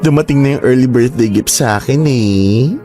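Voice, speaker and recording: A man's voice: medium pitch, normal speed, mellow, soft background music, lightly acted. A man playing a flamboyant, scheming young gay man who is boastful and playful, with a campy, teasing, theatrical delivery. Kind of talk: radio drama acting.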